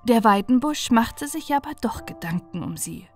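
A woman with a somewhat high voice narrates a scripted bedtime fairy tale. Her delivery is expressive and deliberate, the way an audiobook storyteller reads. Faint music plays behind her.

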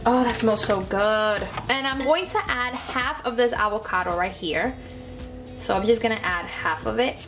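A woman's voice: a little high, moderate pace. A young woman with a Puerto Rican accent, chatty and playful, hosting a DIY beauty tutorial from her home studio. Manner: playful, giggly, chatty with laughs between phrases. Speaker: beauty vlogger. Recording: echoey room with faint music.

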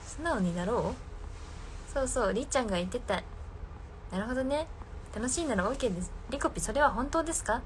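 Bright-voiced young woman. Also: a little high, slight background noise. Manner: chatty, reacts to viewer comments. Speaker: idol livestreamer. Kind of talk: casual live stream chat. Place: her own room, alone.

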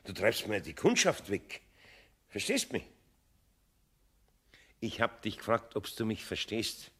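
A kindly, excitable carpenter with a Bavarian accent in a radio play. His slightly rough voice leaps wildly from low muttering to high exclamations, and he takes his time between phrases. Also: slow pace, heavily acted. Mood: scolding. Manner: muttering to himself, bursting into exclamations.

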